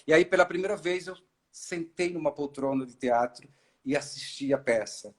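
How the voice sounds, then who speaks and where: Middle-aged guy from ceará, kinda high voice, rambling and reflective on a video call. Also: moderate pace. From Ceará, Brazil. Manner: reflective storytelling with many fillers and restarts. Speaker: actor and director, guest. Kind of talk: casual interview on a live stream.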